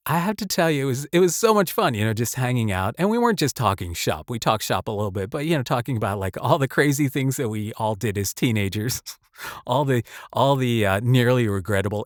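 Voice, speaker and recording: A man, a voice actor, chatting casually about his work in a halting, rambling way with repeated words. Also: medium pitch, no echo, clean studio sound. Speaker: voice actor and channel host. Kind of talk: casual chat, personal anecdote and advice.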